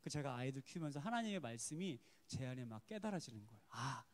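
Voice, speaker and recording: A man's voice: medium pitch, sing-song, quick pace, darkish tone. A man, a worship minister, giving a testimony sermon at a church service, telling stories expressively, acting out quotes and laughing often.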